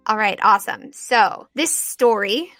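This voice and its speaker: A woman's voice: a little high, lively intonation, a little slow, fairly bright tone, faint music behind. A woman hosting and narrating a tabletop role-playing game as game master, describing scenes in detail.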